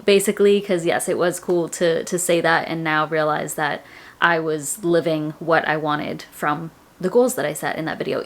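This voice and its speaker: A woman, chatting casually to her viewers about her personal finance goals, rambling with lots of "like"s. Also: fairly low pitch. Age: 30s. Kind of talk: casual chat to camera.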